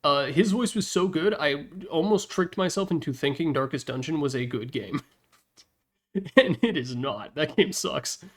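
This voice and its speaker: Higher-pitched man giving casual opinionated commentary. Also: animated, moderate pace. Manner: informal, mildly profane, wry asides. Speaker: presenter of a tier list slideshow video.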